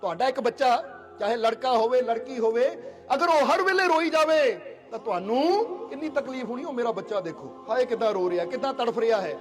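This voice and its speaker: A man preaches in a very high voice, putting questions to his listeners and acting out the people he quotes. Clear music plays behind him throughout the sermon. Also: fast talker, a little mellow. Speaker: spiritual teacher. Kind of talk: devotional sermon.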